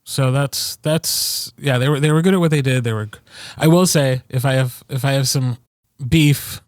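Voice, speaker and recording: A man's voice: medium pitch, moderate pace, dry recording, studio quality. A man hosting a podcast, chatting casually with a playful, joking manner. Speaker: podcast host.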